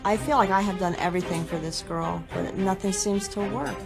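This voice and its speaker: A woman's voice: mid-range voice, a little fast, vocal fry, music in the background. A woman in her forties, a mother and talk show guest, recounting her story in a weary, matter-of-fact way in a taped interview. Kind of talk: taped personal testimony. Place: indoor room, seated.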